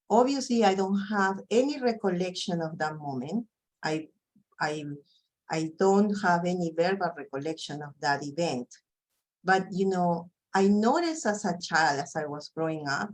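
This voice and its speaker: Peruvian-accented woman trainer, lowish voice. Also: rough recording. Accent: Peruvian Spanish. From Peru. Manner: conversational, frequent "you know" fillers. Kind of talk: online training presentation.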